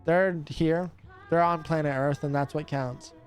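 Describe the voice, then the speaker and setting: A man's voice: fairly high pitch, fairly even intonation, unhurried, faint music behind. A young man, a radio host streaming casually while opening cards, teasing his chat and laughing often.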